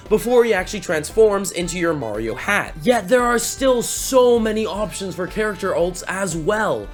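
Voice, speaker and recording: A man hosting a gaming video, talking through a scripted list in an enthusiastic, chatty way, his voice slightly hoarse from a cold. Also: sits high.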